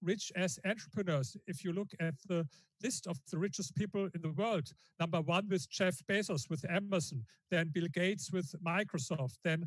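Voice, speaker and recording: A man's high-pitched voice in a German accent, moderate in pace with ordinary pitch variation, recorded dry and close with no echo. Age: 60s. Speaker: author and historian. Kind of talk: interview. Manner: hesitant, repeats words.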